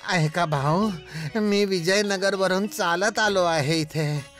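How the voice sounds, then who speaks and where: A woman's voice: on the low side, slow. A woman voicing a penny-pinching, foolish cartoon husband who wheedles and haggles in a whiny, exaggerated way. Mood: eager, haggling. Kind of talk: animated children's story acting. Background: clear background music.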